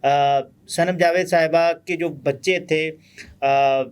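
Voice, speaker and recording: Pakistani urdu guy, highish voice, chatty news commentary, lots of "uh" pauses. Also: fairly even intonation, smooth. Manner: conversational, many pauses and fillers.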